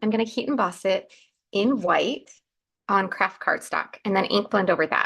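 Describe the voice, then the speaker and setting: A woman puts on a raspy character voice at a medium pitch. She keeps her loudness very even and her pace moderate. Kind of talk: casual, friendly, crafting tutorial.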